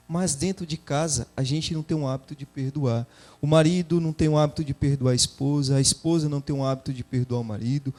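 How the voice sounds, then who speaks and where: A man's voice: on the high side, a little mellow. A man co-hosting a Christian television program, speaking earnestly and exhorting listeners to forgive. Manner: earnest, exhorting, uses examples from family life. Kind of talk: religious talk show discussion.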